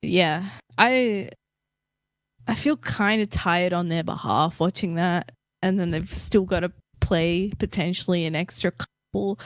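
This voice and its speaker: A woman casting a live esports match, giving steady, analytical commentary on the play. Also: fairly low pitch, measured pace, no echo. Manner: steady, analytical, with light laughs. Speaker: esports caster.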